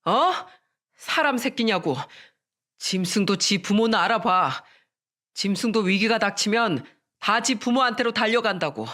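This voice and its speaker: A reader voicing a furious husband who shouts accusations at his wife in a storybook radio drama. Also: high voice, expressive, moderate pace.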